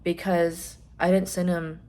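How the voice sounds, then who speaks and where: A young trans man chatting casually in a vlog, rambling with lots of fillers and some swearing, his voice rising when he gets excited. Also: a little slow. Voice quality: voice still fairly high, rising when excited. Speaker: vlogger.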